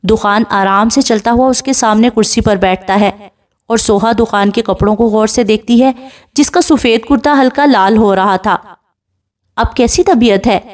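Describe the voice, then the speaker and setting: A woman narrating a romance novel in a steady storytelling voice. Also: a little high.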